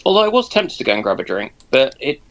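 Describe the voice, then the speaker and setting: A man chatting casually as a co-host on a live stream over a video call, speaking slowly with many pauses and ums. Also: medium pitch, big pitch swings, a bit bright. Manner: hesitant, measured, lots of ums. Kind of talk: casual chat.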